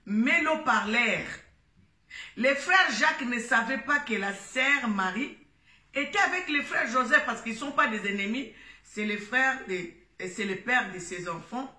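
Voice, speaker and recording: A woman, a native Lingala speaker, hosting a Christian talk show, addressing her listeners as a churchgoing sister and pausing on fillers and restarts. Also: fairly high pitch, lively intonation, pushed and bright. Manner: hesitant, with frequent fillers and restarts. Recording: roomy echo, distant mic.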